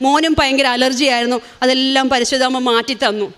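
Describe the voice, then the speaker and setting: Fast, bright-voiced Malayali woman testifying. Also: high voice, steady tone. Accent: Kerala Malayalam. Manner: earnest, emotional storytelling. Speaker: testimony speaker. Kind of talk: religious testimony.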